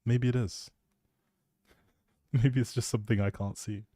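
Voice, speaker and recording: A man's voice: medium pitch, steady tone, unhurried, mellow, no echo, clean studio sound. A young man rambling casually on a game livestream, playful and jokey as he chats back to viewers. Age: young adult. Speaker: live streamer and audio creator.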